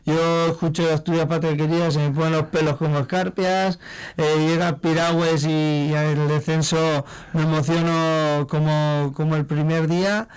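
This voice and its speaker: A man from La Mancha, a chef, chatting in an interview in an animated way and laughing easily. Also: a little high, normal speed, smooth, rough recording. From La Mancha, Spain. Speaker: chef, guest. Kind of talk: casual interview talk.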